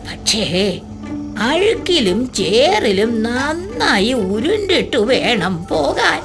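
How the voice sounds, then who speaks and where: A woman voicing a wise, calm old grandfather pig, giving measured advice in a children's cartoon. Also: high voice, vocal fry, music in the background, full character voice. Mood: reassuring. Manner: slow, measured, advising.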